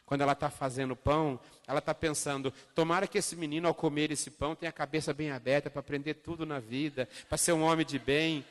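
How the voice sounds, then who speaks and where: A man quoting a kind, firm older woman schoolteacher, speaking softly and slowly in a reverberant hall. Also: fairly high pitch, steady tone, natural voice. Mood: gentle, firm. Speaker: primary school teacher.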